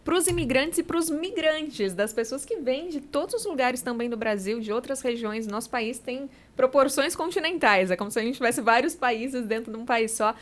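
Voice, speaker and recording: A woman's voice: on the high side, normal speed, hardly any pauses. A woman hosting an interview podcast, affirming and conversational as she sums up and hands over to guests. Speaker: podcast host.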